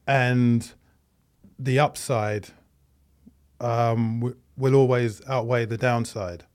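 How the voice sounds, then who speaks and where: Man, medium pitch, measured deliberate delivery, podcast guest. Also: fairly even intonation, a little mellow. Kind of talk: conversational interview.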